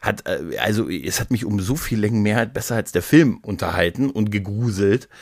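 A man in middle age with a fairly low voice, recorded dry and close. He tells stories casually and playfully, rambling along and doubling back on his words like a relaxed podcast co-host. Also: brisk, dry recording. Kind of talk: casual conversational storytelling.

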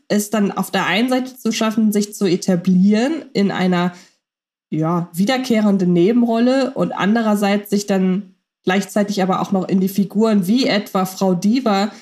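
A woman with a mid-range, slightly mellow voice co-hosts a podcast about radio plays. She chats casually and enthusiastically, thinking aloud and using fillers.

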